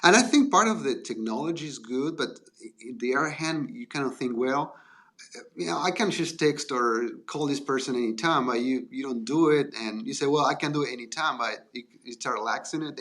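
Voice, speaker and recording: A man from Argentina, a guest talking politely and in a measured way, pausing often. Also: mid-range voice, fairly bright tone. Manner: polite, measured, with frequent hesitations. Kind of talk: casual interview chat.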